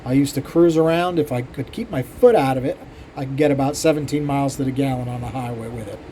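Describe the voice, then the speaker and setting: A man's voice: mid-range voice, fast, mellow, a little hiss or hum. An older man, a cylinder head porter, casually talking shop to his viewers in a rambling, self-deprecating way with many fillers. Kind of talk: casual shop talk to camera.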